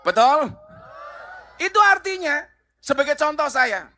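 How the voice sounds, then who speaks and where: Animated male preacher with Javanese accent. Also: very high voice, a little slow. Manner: animated, rhetorical questions, switches into Javanese asides. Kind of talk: sermon.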